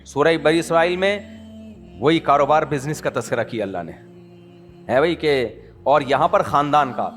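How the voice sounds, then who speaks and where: A man's voice: on the high side, soft background music. A middle-aged man from Pakistan giving a conversational sermon, throwing rhetorical questions at his listeners and acting out small everyday dialogues. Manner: animated, asks the audience rhetorical questions and acts out little dialogues. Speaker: Islamic preacher.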